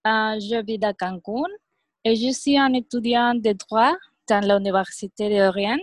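Young woman from Mexico, podcast guest, slightly high, slow and careful, dry recording. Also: fairly even intonation, dry recording. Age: 20s. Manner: careful, hesitant learner's French. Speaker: guest, law student.

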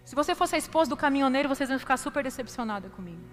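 A high-pitched woman pastor preaching in a church hall, her voice ringing with a long reverb while faint music plays underneath. She tells her story in an animated, confessional way, teasing herself and turning to the congregation again and again. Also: racing. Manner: animated, confessional and self-mocking, talks directly to the congregation. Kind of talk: sermon with personal storytelling.

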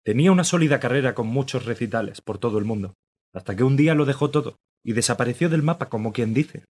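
Man voicing a dry matter-of-fact pathologist, husky tone. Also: medium pitch, expressive, fast, a little mellow, lightly acted. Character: dry-humored middle-aged male forensic doctor. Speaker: forensic pathologist. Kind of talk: radio drama acting.

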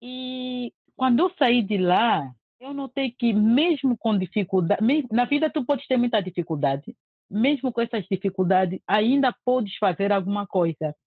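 A woman's voice: a little high, lively intonation, a little slow, creaky, no room sound. Angolan woman, earnest casual testimonial, dry phone-quality audio. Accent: Angolan Portuguese. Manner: earnest and emphatic, with frequent restarts. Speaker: language course student giving a testimonial.

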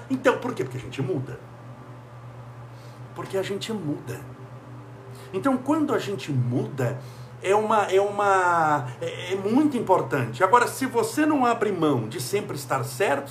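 A man's voice: high voice, a little hiss or hum. A man from Brazil giving a motivational talk, full of emphatic rhetorical questions. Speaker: speaker.

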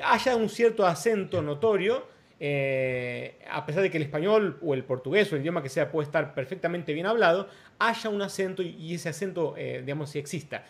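A man hosting an interview, breaking in with emphatic explanations for his listeners. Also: sits high. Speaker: interviewer host. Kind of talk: casual interview talk.

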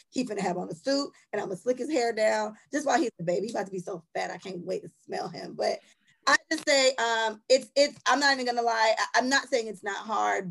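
A woman's voice: medium pitch, creaky, slightly rough. A woman in her thirties, raised in Jamaica, talking candidly and emphatically with frequent profanity as a podcast co-host. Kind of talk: casual podcast chat.

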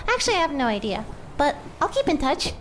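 A woman acts out a breezy young adventurer in an improvised fantasy game. Her voice is fairly high, the delivery flippant, blunt and chatty. Faint ambient sound runs behind her. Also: very animated, fast talker, a little hiss or hum. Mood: friendly, flippant. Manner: flippant, colloquial, offhand. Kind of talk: improvised tabletop roleplay, casual modern chat.

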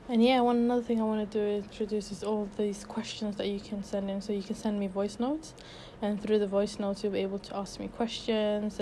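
A woman's voice: mid-range voice, mellow, a little hiss or hum. A woman in her twenties from Sweden, hosting a casual unedited solo podcast as a life coach, chatty and upbeat with many fillers and restarts, a bit out of breath. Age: 20s.

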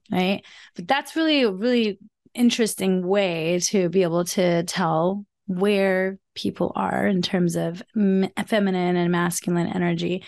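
A woman talks through a self-help podcast episode in a soft, fairly high voice at a middling pitch. Her delivery is earnest and encouraging, sprinkled with "like" and checking "right?" tags. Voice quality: higher, soft speaking voice. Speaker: podcast host.

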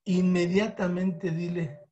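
High-voiced Mexican man coaching sales. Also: little pitch movement, mellow, dull audio. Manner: coaching tone that acts out sample phone calls in quick voices. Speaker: sales trainer. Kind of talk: motivational sales training talk.

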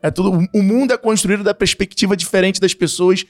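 Guest: young Carioca man, high-pitched, rapid, slangy storyteller, faint music under. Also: fairly even intonation. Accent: Carioca Portuguese. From Rio de Janeiro, Brazil. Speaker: guest, entrepreneur. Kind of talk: casual interview chat.

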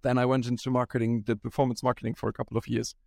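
A man's voice: mid-range voice, level tone, very fast, vocal fry, darkish tone, no room sound, studio quality. A man from Germany, a startup founder, talking casually in an interview and often restarting his sentences with "um". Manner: rambling, frequent restarts and ums.

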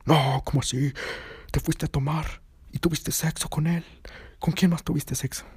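A man's voice: medium pitch, slow, breathy edge, no room sound, voice pushed up, full character voice. A man voicing a jealous, possessive young boyfriend who fires off the same demanding questions again and again. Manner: insistent, interrogating, repeats questions.

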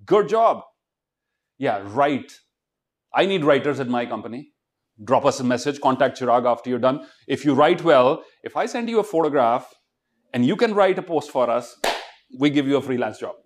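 A man's voice: mid-range voice, lively intonation, normal speed, long pauses. A middle-aged man with an Indian accent giving students a motivational talk, emphatic and exhorting, often firing questions at them. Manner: emphatic, exhorting, fires rhetorical questions at the audience. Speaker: motivational speaker.

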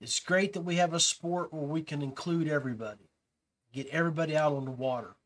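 High pitched guy hosting a fishing podcast, laid back and upbeat. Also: fast talker, a bit bright. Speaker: podcast host.

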